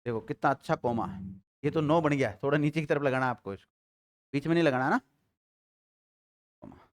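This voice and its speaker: A man teaching a grammar class to students, asking questions and answering them himself, and dictating notes slowly with repeated phrases. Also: on the high side. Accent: Rajasthani Hindi.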